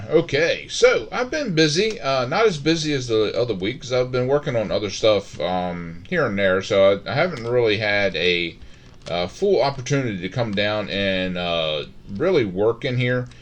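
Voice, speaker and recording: A man's voice: mid-range voice, expressive, moderate pace. A middle-aged man giving casual, rambling commentary on his Minecraft game, full of fillers and restarts. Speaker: Minecraft let's-play host.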